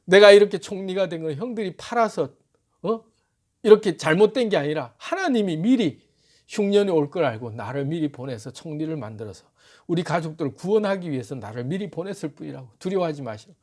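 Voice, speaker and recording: A man's voice: on the high side, lively intonation, fairly quick, darkish tone. A man voicing Joseph, a grown man weeping as he reveals himself to his brothers and tells them not to be afraid. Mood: tearful, comforting. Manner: tearful, pleading.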